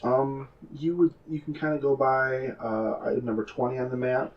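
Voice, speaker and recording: A man running a tabletop game as game master, describing scenes with many pauses and fillers. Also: medium pitch, recorded from a distance, lo-fi sound. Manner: hesitant, filler-heavy describing.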